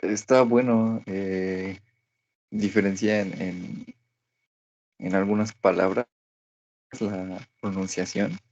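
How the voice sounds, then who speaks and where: A man, a student answering in halting French and searching for words. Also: low-pitched, little pitch movement, a little mellow, highs cut off, a little hiss or hum. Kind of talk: language lesson answers.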